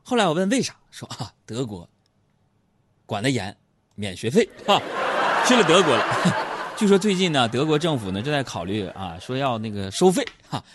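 A man's voice: sing-song, moderate pace, a little hiss or hum. A man with a Northeastern Chinese accent hosting a comic storytelling monologue, playful and teasing, jumping into mock voices. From Northeast China. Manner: jokey, playful teasing, sudden jumps into high mock voices. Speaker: host.

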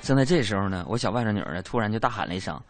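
A man's voice: on the low side, racing, music in the background. A young man performing a stand-up comedy monologue, telling chatty stories with colloquial asides and self-mocking punchlines.

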